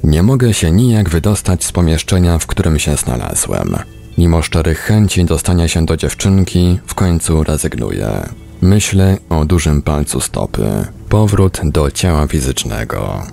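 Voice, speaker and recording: Guy reading an audiobook, really low voice w lots of gravelly fry, first person narration. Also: sing-song, unhurried, warm tone, soft background music. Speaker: audiobook reader.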